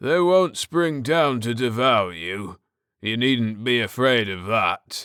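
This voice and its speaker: A gruff, put-on character voice moves at a fairly slow pace with lively intonation. The recording is very clean with a silent background. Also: man, medium pitch for a man. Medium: read story. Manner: curt, snappish.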